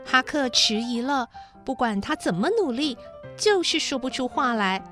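A woman storyteller narrates a children's story in a gentle, expressive way. Her voice sits fairly high, with faint music underneath. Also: normal speed.

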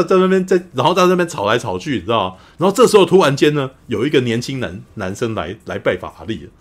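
A man hosting a podcast, retelling a drama's plot in casual chat with many fillers, acting out quoted lines in a raised voice. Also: mid-range voice. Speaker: podcast host.

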